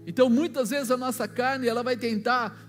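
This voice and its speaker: Brazilian male pastor, high voice, chatty sermon storytelling, long hall reverb, music under him. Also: fairly even intonation, a little fast, a bit bright. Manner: colloquial storytelling, acting out dialogue. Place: church.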